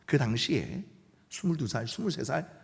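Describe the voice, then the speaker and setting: A man's voice: medium pitch, animated, normal speed, gravelly, long reverb tail. A middle-aged man with a Gyeongsang accent, preaching a sermon as senior pastor, acting out quoted voices and dropping to near-whispers. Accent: Gyeongsang Korean. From Gyeongsang region of Korea.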